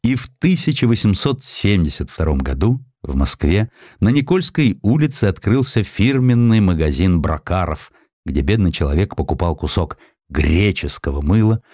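A man narrating a historical sketch for a radio production, with an expressive, varied storytelling delivery on a close studio mic. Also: low-pitched, moderate pace, no room sound.

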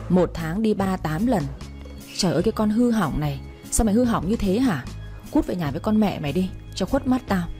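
A woman's voice: medium pitch, lively intonation, a little fast, warm tone, soft background music, close to an everyday voice. A woman voicing a harsh, angry middle-aged father who scolds and orders his daughter out, in a storybook reading.

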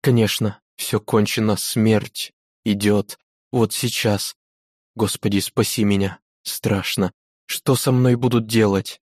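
A man's voice: lowish voice, steady tone, takes it slowly, darkish tone, dry recording, clean studio sound. A man voicing a young nobleman condemned to death, frantic and pleading. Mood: terrified. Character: young desperate nobleman facing execution.

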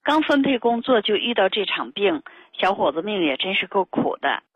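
A woman hosting a radio health show, reading smooth scripted promo lines. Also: mid-range voice, big pitch swings, moderate pace, dry recording. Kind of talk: scripted host segments. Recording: tinny broadcast sound.

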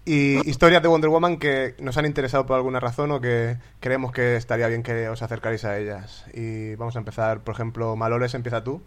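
A man's voice: medium pitch, level tone, quick pace, hardly any pauses. A man hosting a podcast, introducing the next segment in an easygoing way. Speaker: podcast host.

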